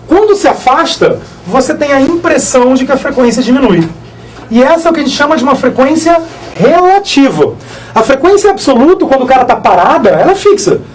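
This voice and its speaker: A man teaching a live exam-prep physics lesson, energetic, joking and repeating himself. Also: extremely high pitch, rough recording.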